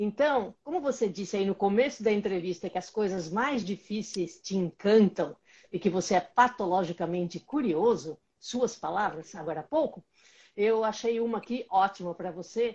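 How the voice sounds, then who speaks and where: Here is a woman with an ordinary speaking voice at a medium pitch. She moves at a moderate pace with lively intonation. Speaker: journalist, US correspondent. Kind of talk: casual chat.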